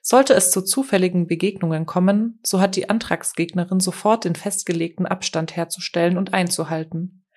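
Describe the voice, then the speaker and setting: A woman narrating a novel as an audiobook, reading in a steady, measured way. Her voice sits a little lower than most women's. The delivery is smooth and even. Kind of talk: scripted narration.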